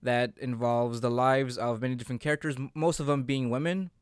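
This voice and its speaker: A man's voice: medium pitch, fairly even intonation, brisk, clear, resonant tone, no room sound, studio quality. A man co-hosting a casual podcast chat, talking hesitantly and often searching for his words. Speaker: podcast co-host.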